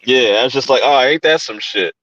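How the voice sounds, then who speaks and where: A man's voice: mid-range voice, a little fast, pushed and bright, no room sound, lo-fi sound. A man hosting a horror podcast in casual chat, laid-back and slangy, often repeating his phrases. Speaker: podcast host. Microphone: home streaming setup.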